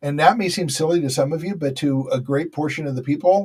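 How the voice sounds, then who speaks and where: A man speaks in a somewhat breathy voice. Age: 60s. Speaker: podcast host. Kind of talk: casual talk show monologue.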